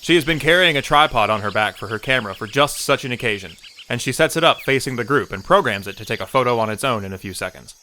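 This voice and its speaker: A wry audio drama narrator played by a man with a bright, forward voice at middle pitch. He tells the scene like a storybook, over faint background noise. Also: animated, fast. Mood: wry, descriptive.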